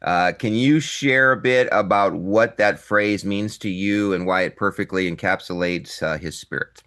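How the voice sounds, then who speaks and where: A man's voice: fairly low pitch, a little slow, fairly bright tone. A man hosting an interview and reading prepared questions, with frequent hesitations. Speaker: interviewer host.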